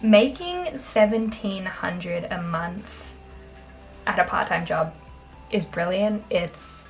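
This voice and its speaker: A young Australian woman in her twenties, chatting casually on camera in a small bedroom, upbeat and quick to laugh. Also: mid-range voice, darkish tone, rough recording. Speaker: vlogger. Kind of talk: casual talking-head finance vlog.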